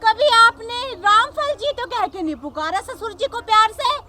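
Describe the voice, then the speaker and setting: A woman playing a sharp-tongued young daughter-in-law cop. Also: very high-pitched, animated, normal speed, a little hiss or hum, exaggerated voice. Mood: defiant. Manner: combative, lecturing, repeats "samajh gaye". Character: defiant young daughter-in-law police officer.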